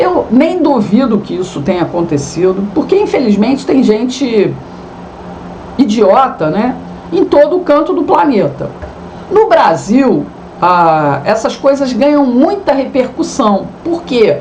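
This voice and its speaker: Over noticeable background noise and audible room echo, the voice moves at a very slow pace with very wide pitch swings. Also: woman, high pitch for a woman. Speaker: journalist and commentator. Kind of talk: opinion commentary.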